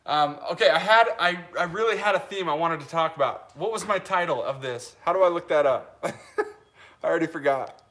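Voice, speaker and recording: A man in his late twenties from Utah talks through a casual live stream, answering viewer comments as they come. His voice sits a little high and sounds bright. He rambles with plenty of fillers and restarts and laughs easily. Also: normal speed, pauses often. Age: 20s. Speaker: leatherworker hosting a live stream.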